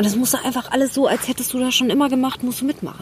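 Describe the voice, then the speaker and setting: A woman speaks at a high pitch. Background noise is noticeable. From North Rhine-Westphalia, Germany. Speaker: podcast guest. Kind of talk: casual chat. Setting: outdoors, school yard.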